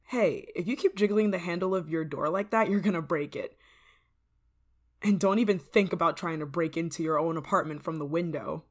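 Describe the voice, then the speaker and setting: Speaking softly and often whispering, a woman acts as an obsessive, controlling neighbor in an ASMR roleplay with a sweet but creeping menace. Her voice is on the low side and close to how she'd talk day to day.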